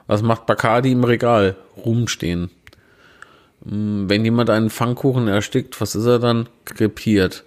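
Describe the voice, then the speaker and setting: A man's voice: lowish voice, fairly even intonation, measured pace. A man reading out puns in a dry, plain way, with self-mocking asides, recorded indoors on a handheld recorder set on a small tabletop tripod. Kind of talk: casual joke reading.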